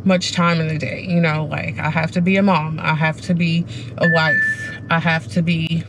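A woman's voice: deep voice, flat delivery, normal speed. A middle-aged woman vlogging casually to a dashboard camera in a car, talking in a candid, rambling, self-reflective way. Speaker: running vlogger. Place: sitting inside a parked car. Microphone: camera mounted on the dashboard. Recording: clear car and background noise.

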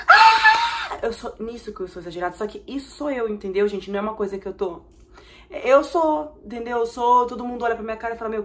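Excitable Brazilian woman vlogger. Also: medium pitch. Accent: Brazilian Portuguese. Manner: expressive, excitable, rapid bursts and shrieks. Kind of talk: casual vlog reacting to viewer comments.

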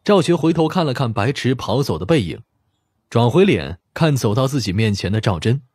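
Male audiobook narrator with lively intonation. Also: mid-range voice, moderate pace, slightly rough, dry recording, clean studio sound. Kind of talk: scripted narration of a mystery novel.

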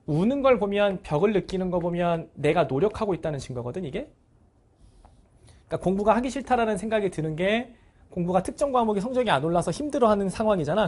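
A man's voice: high-pitched, darkish tone, slightly rough. A male cram school teacher giving a blunt, casual motivational talk to his students. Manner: acts out students' voices in short bursts.

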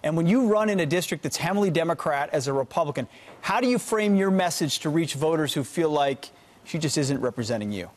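A man co-hosting a morning news show in a TV studio, asking brisk, conversational questions. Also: on the high side, expressive. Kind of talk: news interview.

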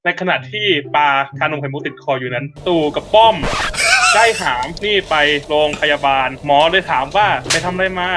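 A young man telling his part of an improvised story in a lively, animated way. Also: on the high side, normal speed.

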